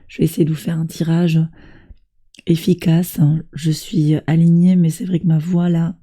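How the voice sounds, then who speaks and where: A woman with a hoarse voice from a cold, doing a tarot reading and gently encouraging her viewers. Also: low voice, flat delivery, normal speed. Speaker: tarot reader.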